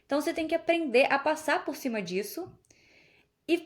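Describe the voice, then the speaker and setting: A young woman from Brazil talks in a relaxed, chatty way, often breaking into laughter. Her voice sits a little high. She tells her stories with easy warmth in a casual conversation. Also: a little fast. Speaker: guest on a podcast.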